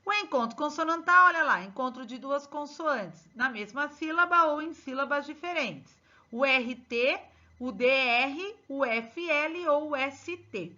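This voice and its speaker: A bright-voiced woman teacher works through exercise answers with her pupils, dwelling on each word. Her high voice swoops up and down as she stresses every answer, and the recording is dull and lo-fi. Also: animated. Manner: slow, emphatic, spelling out answers to pupils. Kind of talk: exercise correction lesson.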